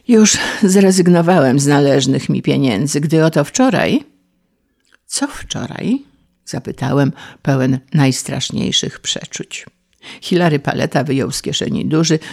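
A man narrating a humorous story in an audiobook, measured and wry. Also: on the high side, vocal fry, darkish tone.

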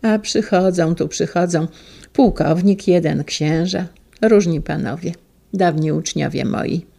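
A woman doing a kindly old schoolteacher in a storybook reading, his trembling voice husky and gravelly, pitched a little lower than most. He speaks slowly and tenderly, in a mellow, dark tone. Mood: fond, reminiscing. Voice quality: trembling yet clear voice. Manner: tender, reminiscing.

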